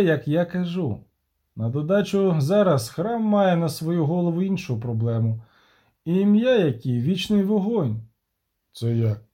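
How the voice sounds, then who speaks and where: A man voicing a shrewd, gruff male dwarf banker who talks frankly and cynically in an audiobook. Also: on the high side, warm tone, full character voice. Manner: worldly, cynical, frank talker.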